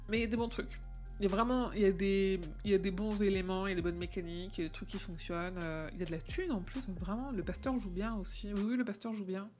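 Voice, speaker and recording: A woman's voice: mid-range voice, steady tone, quick pace, darkish tone, faint music behind. A woman hosting a casual live stream, chatting with viewers and using plenty of fillers and restarts.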